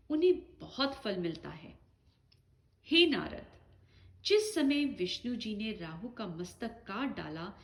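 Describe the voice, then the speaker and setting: Female devotional reader, unhurried and measured, expressive intonation. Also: mid-range voice. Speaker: scripture reader. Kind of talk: devotional scripture reading.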